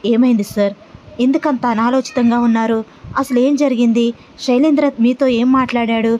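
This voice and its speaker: A woman's voice: a little high, fairly even intonation, normal speed, darkish tone, lo-fi sound, slight background noise, lightly acted. A woman voicing a worried, caring young woman who pleads and keeps saying "sir" in a storybook tale. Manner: pleading, repeats "sir" often.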